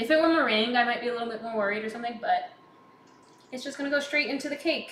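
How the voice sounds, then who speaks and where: The speech runs at a very fast pace with ordinary pitch variation. Room echo is audible. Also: woman. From Texas, San Antonio. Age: 20s. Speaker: baking livestreamer. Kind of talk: casual livestream chat while baking. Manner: casual, chatty.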